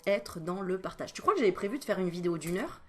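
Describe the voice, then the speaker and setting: A woman's voice: on the low side, expressive, fast, soft background music. A woman energy healer chatting through spiritual advice at home, digressing often and adding joking asides. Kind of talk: casual spiritual advice vlog.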